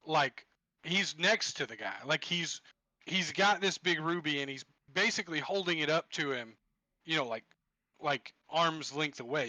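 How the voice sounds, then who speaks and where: A man's voice: on the high side, bright, forceful tone, dry recording, low-quality recording. A man running a tabletop game over voice chat as game master, describing scenes loosely with many restarts.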